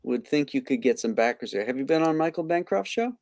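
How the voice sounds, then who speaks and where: A man's voice: medium pitch, expressive, fast talker, a little mellow, no echo. Casual male livestream host, dry close sound. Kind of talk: casual chat.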